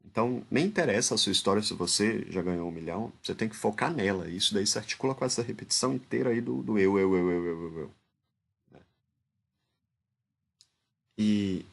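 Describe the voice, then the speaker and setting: A man's voice: fairly low pitch, normal speed, gravelly, long pauses, fairly bright tone, slightly rough. A man with a Brazilian Portuguese accent gives informal spoken commentary analyzing a speech. He talks hesitantly, restarts phrases often and keeps adding tag questions.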